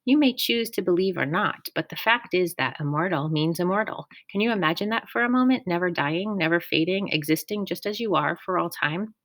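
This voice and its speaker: A woman voicing a kindly, wise old male teacher who speaks gently and formally. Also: on the low side, lively intonation, brisk, hardly any pauses, no room sound. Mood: earnest.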